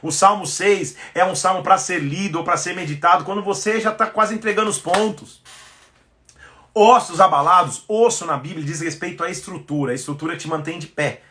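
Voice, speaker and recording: Man, pastor voice, somewhat high-pitched, lively and casual Bible commentary. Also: brisk. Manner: animated and colloquial, acts out the psalmist's pleas. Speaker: pastor leading a Bible reading series.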